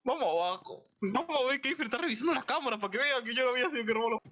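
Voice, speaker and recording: A person improvising a game roleplay with friends in an excitable, theatrical way over online voice chat. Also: medium pitch, rapid-fire. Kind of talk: improvised Minecraft roleplay chatter. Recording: dull, slightly noisy gaming mic.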